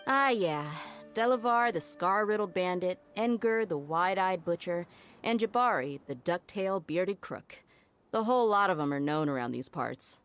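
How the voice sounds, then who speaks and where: A low-pitched female mercenary from a video game, acted by a woman, shrewd and sure of herself. She speaks in a folksy, streetwise way, laying things out with easy confidence. Soft music sits behind her. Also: lively intonation, moderate pace, clear, resonant tone, no room sound, lightly acted. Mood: confident. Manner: folksy, self-assured, explanatory.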